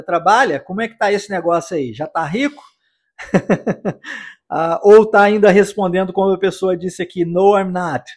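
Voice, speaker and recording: A Brazilian man teaching an English lesson, upbeat, slowly drilling phrases for his listeners to repeat. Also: sits high, breathy edge. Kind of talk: English lesson for Portuguese speakers.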